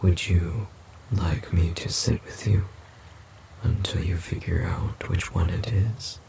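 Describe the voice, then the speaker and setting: Man acting as a gentle forest demon, very low gravelly voice, halting formal phrasing, puzzled by humans, audio roleplay. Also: steady tone, full character voice, low-quality recording. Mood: hesitant, puzzled. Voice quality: low breathy, gravelly half-whisper. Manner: halting, formal, literal-minded speech.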